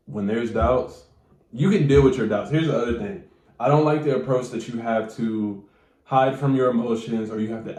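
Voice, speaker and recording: A man's voice: lowish voice, darkish tone, echoey room. A man with a stuffy nose giving casual, slangy, profane advice straight to his viewers. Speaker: manifestation coach.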